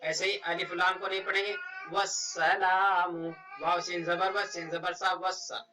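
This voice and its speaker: A man gives a Quran reading lesson, drawing out each Arabic syllable at an unhurried pace. His voice sits high and very bright. He sounds a little distant from the mic. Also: little pitch movement, a little hiss or hum. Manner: slow, drawn-out syllable-by-syllable spelling of Arabic words. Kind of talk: step-by-step recitation lesson.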